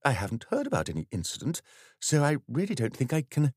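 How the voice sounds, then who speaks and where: A man's voice: mid-range voice, huge pitch swings, fast, slightly rough, no room sound, pitched above the performer's own voice. A man doing a flustered middle-aged vicar, stumbling over his words. The voice sits well above the narrator's own and jumps about. Recorded close and dry. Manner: stammering, hesitant.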